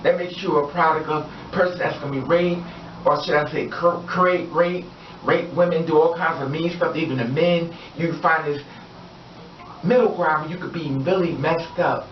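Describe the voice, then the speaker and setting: Speaking at a normal pace in a low voice, a woman vlogger lays out her opinions casually, stressing and repeating points as she preaches encouragement. Faint hiss or hum colors the dull, distant, roomy lo-fi sound.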